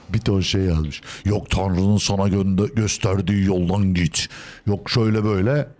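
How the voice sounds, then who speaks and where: A man hosting a gaming video, casually commenting on his play in a joking way. He talks back to the game characters and swings between loud outbursts and low mutters. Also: steady tone, unhurried. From Turkey.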